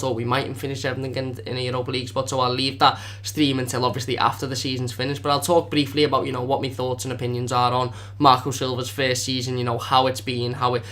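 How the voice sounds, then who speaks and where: Feeling slightly under the weather, a young fan channel host chats through a casual live stream in a mid-range, fairly bright voice. His delivery is fast, meandering and packed with fillers.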